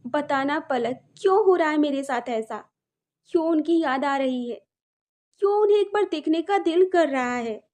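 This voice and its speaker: A woman voicing a heartbroken young woman who blames herself, asking pained questions through tears. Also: a little mellow. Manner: pleading, questioning, rising pitch when upset. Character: heartbroken young woman, tearful, self-blaming.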